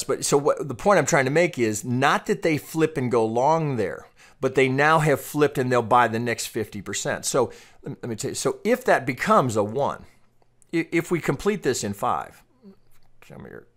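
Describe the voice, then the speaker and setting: A man's voice: fairly low pitch, a bit bright. A man giving unscripted tutorial commentary as a trading analyst, explaining step by step and often repeating and restarting his phrases.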